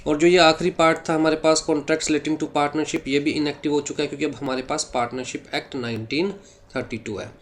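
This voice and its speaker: A man with a fairly high voice teaches a law lesson, reading English passages slowly in an Indian English accent. He then explains each point in a mix of Hindi and English, asking questions and answering them himself. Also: fairly even intonation. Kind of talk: classroom lecture.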